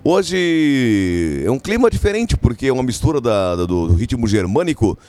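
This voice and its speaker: A man with a Rio Grande do Sul accent reporting live for a radio show, chatty and lively. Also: medium pitch, normal speed, faint music behind. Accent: Rio Grande do Sul Portuguese. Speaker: field reporter.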